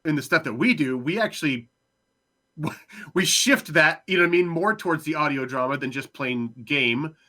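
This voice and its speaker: A man in a casual panel discussion, hedging and repeating himself as he thinks out loud. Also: on the high side, lively intonation, moderate pace. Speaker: panelist on a podcast discussion show.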